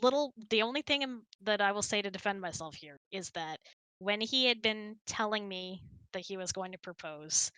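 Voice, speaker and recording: Bright-voiced woman, giggly casual storyteller. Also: medium pitch, normal speed, clear, resonant tone, no room sound, rough recording. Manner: giggly, expressive, animated storyteller. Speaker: host of an audio hangout.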